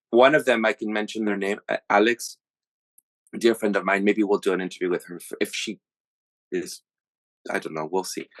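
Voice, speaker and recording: A man from the USA hosting a podcast, talking through his thoughts in a halting, casual way with many restarts. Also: fairly low pitch, a bit bright, no echo. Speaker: podcast host. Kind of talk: casual reflective monologue.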